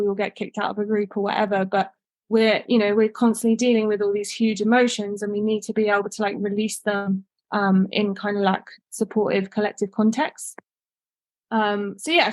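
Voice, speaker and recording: A woman's voice: fairly high pitch, dry recording. A woman herbalist giving an informal webinar talk over a video call, casual and full of fillers like "like" and "um". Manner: casual, filler-heavy with frequent "like" and "um". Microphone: video call microphone.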